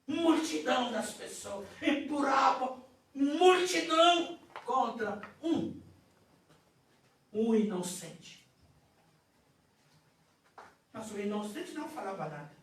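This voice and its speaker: A male preacher tells his testimony in a slow, high voice that climbs and falls sharply. He moves from shouting to near-whispers. The sound comes from far off in a very echoey church hall. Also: big pitch swings. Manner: swings between shouting and hushed telling. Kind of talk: sermon testimony. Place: church sanctuary.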